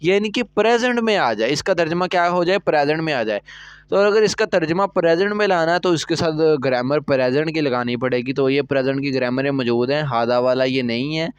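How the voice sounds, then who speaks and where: A man's voice: fairly high pitch, brisk, clean tone, dry recording. A man teaching a recorded Korean lesson, explaining step by step and often checking that students follow. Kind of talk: recorded language lecture.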